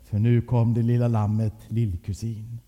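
A man voicing a laid-back, self-satisfied father in a told story, drawing his words out slowly. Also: medium pitch, little pitch movement, highs cut off, pitched below the performer's own voice, close to an everyday voice. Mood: pleased. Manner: slow, drawn-out, a bit innocent. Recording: long hall reverb.

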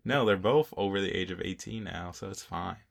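A young man co-hosting a casual podcast, reading off facts in a relaxed, joking way, with a slight Mexican accent. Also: low voice, a little fast, creaky. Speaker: podcast co-host. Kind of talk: casual chat.

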